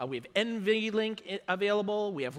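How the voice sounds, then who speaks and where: At a fairly quick pace, a man is talking. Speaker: tech company speaker at developer conference. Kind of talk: conference talk. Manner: fast.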